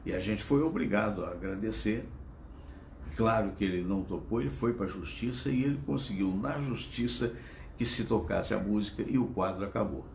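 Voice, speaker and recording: Using his phone as a mic, a man with a Brazilian Portuguese accent gives casual, wandering commentary directly to his live-show audience. The voice is lowish, creaky, and darkish in tone, moving at a moderate pace over a little hiss or hum.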